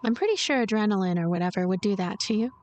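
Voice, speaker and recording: A woman's voice: mid-range voice, animated, fast talker, darkish tone. A woman doing a voiced let's play, narrating a story game aloud with casual commentary. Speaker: let's player reading game text aloud.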